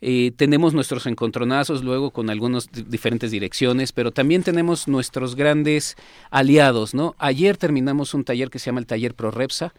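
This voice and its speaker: A man, speaking as the executive secretary of a nature reserve, explaining in an animated, casual way with homely comparisons. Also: medium pitch, moderate pace, no room sound. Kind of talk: casual interview talk.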